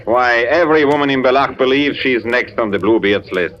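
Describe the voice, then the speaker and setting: An actor playing a stern, commanding German colonel in a 1940s radio drama. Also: male voice, medium pitch, a little fast, fairly bright tone, lightly acted. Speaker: military officer in radio drama. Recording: dull old radio recording.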